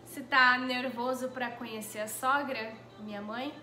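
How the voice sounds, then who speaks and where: Bright-voiced young Brazilian woman in echoey room. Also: on the high side, steady tone, unhurried. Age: young adult. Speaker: interviewer reading viewers' questions. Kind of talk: casual question-and-answer chat. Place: small living room, on a couch. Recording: echoey room with light background noise.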